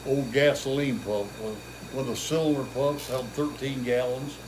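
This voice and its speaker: At a moderate pace, a man speaks at a medium pitch with audible room echo and noticeable background noise. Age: 80s+. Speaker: veteran fish breeder. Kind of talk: interview.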